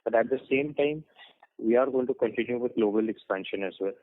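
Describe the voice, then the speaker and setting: A man, speaking confidently and deliberately as a company executive on an earnings call. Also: medium pitch. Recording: narrow phone line.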